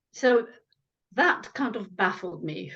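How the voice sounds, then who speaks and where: A woman speaks with very wide swings in pitch. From Lithuania. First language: Lithuanian. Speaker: former English teacher and spelling author. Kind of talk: interview talk.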